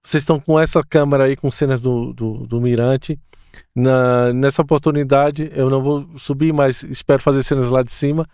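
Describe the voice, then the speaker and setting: A man's voice: medium pitch, steady tone, moderate pace, darkish tone, clean tone, dry recording, studio quality. A man hosting a podcast interview, talking in an enthusiastic, welcoming way. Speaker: podcast host.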